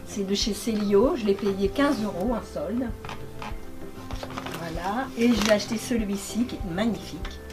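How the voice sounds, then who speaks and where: A woman's voice: medium pitch, moderate pace. Chatty woman vlogger over background music. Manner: chatty and playful, with pet names for viewers. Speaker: vlogger showing a shopping haul. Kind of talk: casual chat to viewers. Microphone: camera microphone, filmed by a cameraman.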